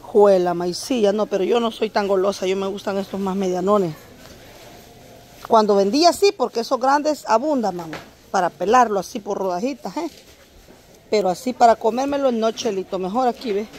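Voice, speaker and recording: A woman's voice: mid-range voice, moderate pace, darkish tone, slight background noise. A middle-aged woman, vlogging casually as she shops at an outdoor market, chatting with vendors and talking straight to her viewers. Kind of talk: casual market-shopping vlog.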